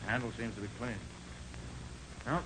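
An actor playing a shrewd, self-assured detective in a 1940s radio drama, brisk and coolly polite as he probes. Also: medium pitch, steady tone, lightly acted. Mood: confident, deducing. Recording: noisy old 1940s radio recording.

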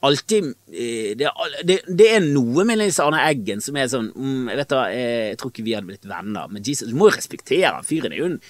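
Opinionated man with lively pitch. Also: few pauses, dry recording. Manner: opinionated, rambling, swears freely. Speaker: podcast host. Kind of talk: casual solo podcast monologue. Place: small storage room.

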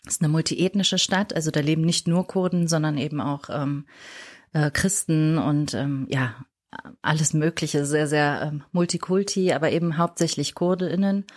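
A woman who grew up in Germany, a podcast interview guest, telling her own story in a reflective way and often pausing to search for words. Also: low-pitched, fairly even intonation, darkish tone.

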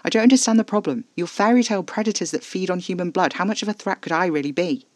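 A jittery young human man, near panic, his voice climbing high and strained as he pleads. A storyteller puts him on, pitching well above his own creaky voice. Dry and close. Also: fast talker, dry recording, lightly acted. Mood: pleading. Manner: high-pitched, loud and desperate. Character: anxious young man, human lover of a vampire.

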